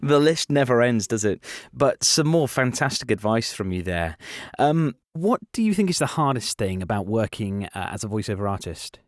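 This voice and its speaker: A man hosting a podcast interview, encouraging and quick to praise his guest. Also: medium pitch, sing-song, dry recording, clean studio sound. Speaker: podcast host. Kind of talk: conversational interview.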